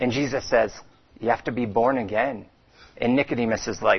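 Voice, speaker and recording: A man with an American accent, an unremarkable speaking voice, medium pitch, and a moderate pace. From Arizona, US Southwest (Tucson). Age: 40s. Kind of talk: testimony talk to men's luncheon. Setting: luncheon talk to a room of men.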